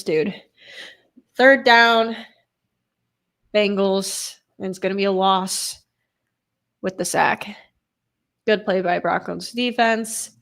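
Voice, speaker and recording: A woman streamer with a cold-stuffed nose chats with her viewers while giving casual play-by-play of a football game, reading and answering chat and swearing casually. Her mid-range voice is fairly bright, with vocal fry, and she uses a desk streaming microphone.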